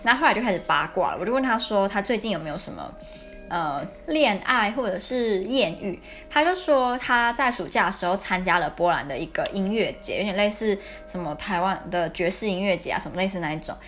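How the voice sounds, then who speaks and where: A woman's voice: medium pitch, expressive, brisk, a bit bright, faint music behind. A young woman from Taiwan with a Taiwanese Mandarin accent, hosting a podcast and telling personal stories in a chatty, candid, confiding way. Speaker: podcast host. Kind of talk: casual storytelling chat.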